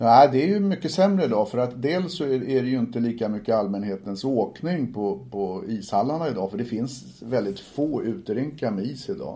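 A man with a Stockholm accent, medium pitch and a dark, mellow tone, at a moderate pace with lively intonation and hardly any pauses. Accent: Stockholm Swedish. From Stockholm, Sweden. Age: 50s. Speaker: ice hockey executive. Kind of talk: interview. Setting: office.

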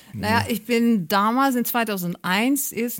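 The speaker has a Dutch accent and ordinary pitch variation. The recording is very clean, with a silent background. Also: woman. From Netherlands. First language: Dutch (speaking German). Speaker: musician. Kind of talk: casual chat.

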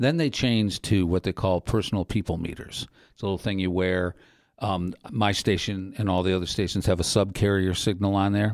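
A man with an unremarkable speaking voice talks at a fairly low pitch and a fairly quick pace on a very clean recording with a silent background. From Ohio (Cincinnati). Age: 60s. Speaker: radio station general manager. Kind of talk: casual interview. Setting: radio studio.

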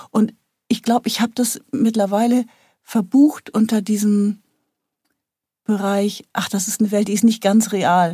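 A dark, mellow, somewhat breathy voice with fairly even intonation and long, frequent pauses, on a very clean recording with a silent background. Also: woman, fairly high pitch for a woman, fairly slow pace. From northern Germany, North Frisia near Husum. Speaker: novelist. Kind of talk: interview conversation.

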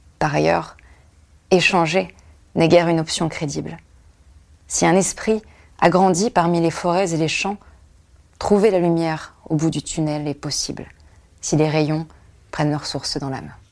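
Fairly low-pitched woman's voice, fairly slow, with fairly even intonation and long, frequent pauses. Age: young. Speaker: poet and novelist. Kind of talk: poetry reading; interview.

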